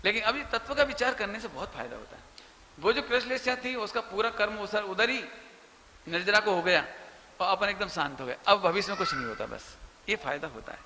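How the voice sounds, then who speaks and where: A man's voice: high voice, animated, brisk, sharp tone, big-room sound, slight background noise. A man giving a religious question-and-answer talk as a Jain preacher, explaining patiently and drawing out chanted syllables. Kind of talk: religious Q&A discourse.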